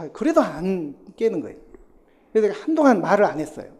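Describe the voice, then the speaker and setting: The voice belongs to a man. His speech carries audible room echo. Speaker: civil service exam lecturer. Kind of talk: lecture. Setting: classroom with students. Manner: drowsy-sounding, lulling.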